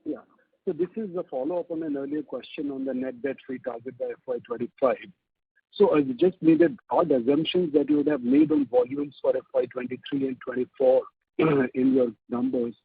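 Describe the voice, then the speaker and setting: A man's voice: fairly high pitch, wildly swooping pitch, a little fast, vocal fry, breathy edge, no room sound. A man, an analyst pressing management with persistent questions on an earnings call. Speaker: financial analyst. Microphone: phone. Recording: tinny phone line.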